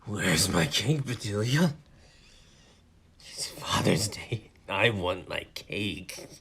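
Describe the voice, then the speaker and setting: A man voicing a petulant old man in a wheelchair who slowly drawls and shouts his demands. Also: fairly low pitch, animated, creaky, slight background noise, exaggerated voice. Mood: menacing. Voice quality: whiny, shouting. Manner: slow, drawn-out demands. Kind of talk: dramatic story reading.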